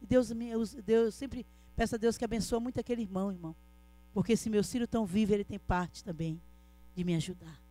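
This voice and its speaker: Middle-aged woman, church testimony, rapid earnest delivery, speaks directly to the congregation. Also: medium pitch, steady tone, warm tone. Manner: earnest storytelling, often addressing listeners as brother.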